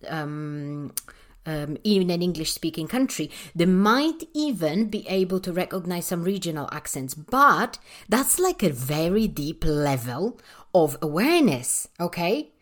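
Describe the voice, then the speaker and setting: Polish-accented woman ranting passionately. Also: fairly low pitch. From Poland. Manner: emphatic, rhetorical questions, frequent fillers. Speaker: podcast host and English teacher trainer. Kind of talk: passionate monologue rant.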